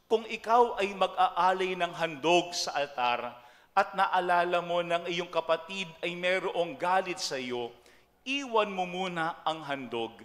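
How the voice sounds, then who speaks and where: Filipino priest guy giving a homily, kinda high voice, slows down on the key lines, big church echo. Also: fairly bright tone. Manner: storytelling, slows to stress English key phrases. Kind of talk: sermon. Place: large church. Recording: long church reverb.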